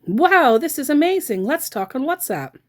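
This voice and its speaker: A pushy grown man working an online scam, as a woman puts him on, with a high, bouncing voice. He is chirpy and sweetly overfriendly, and every line rises and falls. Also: sing-song, normal speed. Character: pushy adult male online scammer, overly friendly.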